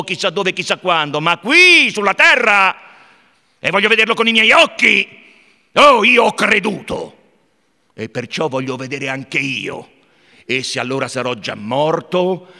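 Guy reading as a fired-up brooding young man, fervent theatre reading, bright voice, long echo. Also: sits high, lively intonation, unhurried, gravelly, full character voice. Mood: impassioned. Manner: declamatory, fervent, swings from hushed to shouted. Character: impassioned brooding young man arguing with his brother. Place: theatre stage before an audience. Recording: long hall reverb.

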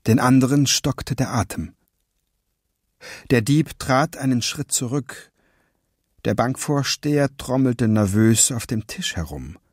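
Expressive male storybook narrator. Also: medium pitch, slow pace, dry recording, clean studio sound. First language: German. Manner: expressive, animated reading. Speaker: audiobook reader.

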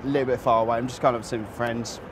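A man, chatting casually in a hesitant, halting way. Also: mid-range voice, flat delivery. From England. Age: 30s. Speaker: coaching client. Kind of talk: casual conversation. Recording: clear background noise of busy places.

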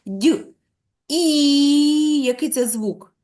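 A woman primary school teacher giving an online lesson to young children. She dictates slowly, stretches out words and sounds out letters one by one, and keeps prompting the pupils with questions. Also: high-pitched, darkish tone. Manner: drawn-out, slow dictation, sounding out letters and syllables.

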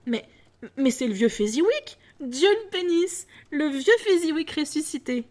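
A woman voicing an old miserly man in a storybook reading, with a lowered, gruff voice. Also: normal speed, mellow, lightly acted. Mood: overexcited.

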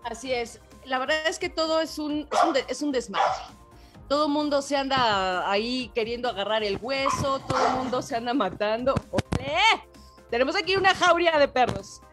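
A woman's voice: high voice, moderate pace, loud music behind the voice. A woman with a Mexican accent co-hosting a casual talk show, gossiping in slang and calling her listeners brothers. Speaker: co-host. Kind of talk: casual political gossip chat.

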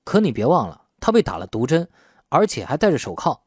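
Lively, evasive young male suspect acted by a man. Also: a little high, fairly quick, slightly rough, no echo, studio quality, heavily acted. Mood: reasoning. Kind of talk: audiobook character dialogue.

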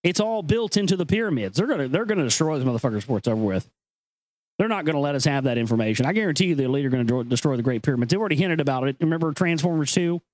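A man's voice: on the high side, lively intonation, rapid-fire, a little mellow, dry recording, poor audio. A man hosting a show, moving between dramatic reading and casual, earnest, conspiratorial commentary. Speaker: host reading an ancient text with commentary.

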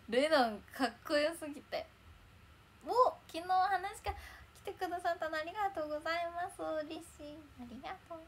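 Young woman rambling on her stream, kinda high voice, bubbly, little bit of hiss behind. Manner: chatty, bubbly, reads comments and thanks viewers. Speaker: idol livestreamer. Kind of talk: casual livestream chat.

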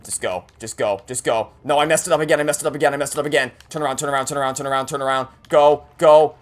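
A man's voice: mid-range voice, steady tone, racing. A man giving casual gaming commentary in an exasperated, sweary way, repeating words anxiously. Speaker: video game streamer.

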